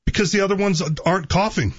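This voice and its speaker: Raspy-voiced man bantering on a talk show. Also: sits high, quick pace, no echo. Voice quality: raspy, parched voice. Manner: sarcastic, teasing. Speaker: co-host. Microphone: studio microphone. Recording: dull lo-fi sound.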